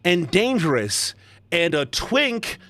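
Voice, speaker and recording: Animated, joking male streamer. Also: high voice, takes it slowly, no echo. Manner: animated, dramatic, joking with chat. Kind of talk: casual live-stream chat while playing.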